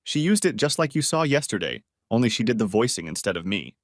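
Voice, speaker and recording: A cool, confident young woman lays out her scheme in a brisk, matter-of-fact way, read by a male narrator. The pitch moves a lot. The sound is dry and close. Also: very animated, no echo, lightly acted.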